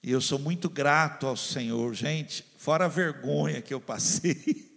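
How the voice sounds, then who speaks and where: A man, preaching as a pastor and telling a personal story, acting out voices and slowing down for emphasis. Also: a little high, vocal fry. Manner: expressive storyteller, acts out voices, slows for emphasis. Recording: long hall reverb.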